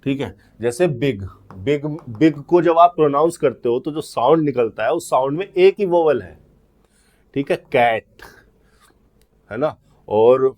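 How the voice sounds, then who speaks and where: A man's voice: fairly high pitch, a little mellow. Man teaching English grammar in Hindi. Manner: explains step by step, often asking and answering his own questions; slows right down to read out example sentences word by word. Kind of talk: exam-prep grammar lesson.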